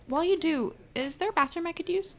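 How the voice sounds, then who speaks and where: A woman's voice: very high voice, fast talker, fairly bright tone. A woman playing an earnest, curious young journalist in a fiction podcast, polite and a little hesitant. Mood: polite, eager. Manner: hesitant, stammering when caught out, polite. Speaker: newspaper editor and narrator. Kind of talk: fiction podcast acting and narration.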